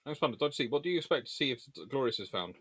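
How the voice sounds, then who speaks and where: A man's voice: medium pitch, animated, quick pace, fairly bright tone, slightly rough, dry recording. Man thinking aloud, dry close sound. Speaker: host answering viewer questions. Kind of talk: casual rambling Q&A commentary.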